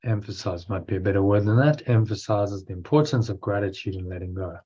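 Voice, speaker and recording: A man leading a guided breathing meditation as a teacher, giving instructions in short phrases with pauses and reading out affirmations. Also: fairly low pitch, dark tone, slightly rough. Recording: dull, lo-fi sound.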